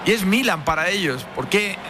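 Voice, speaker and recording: A man's voice: high voice, lively intonation, normal speed, music in the background. A man, a former footballer giving casual football punditry, insistent and reminiscing.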